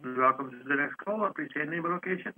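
A man's voice: fairly high pitch, quick pace, phone-quality sound. A man hosting a conference call, politely welcoming callers and asking them to introduce themselves in set greetings. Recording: phone conference line, noticeable noise.

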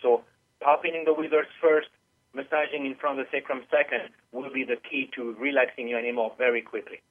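A man's voice: medium pitch, flat delivery, brisk. A man who teaches animal massage, patiently explaining on a radio call-in interview with many small hesitations. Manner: patient, explanatory, with frequent uh fillers. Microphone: phone call. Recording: tinny phone line.

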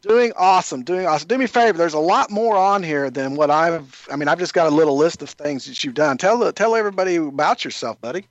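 A man's voice: on the high side, quick pace, few pauses, no echo, lo-fi sound. A man hosting a paranormal call-in radio show in a casual style.

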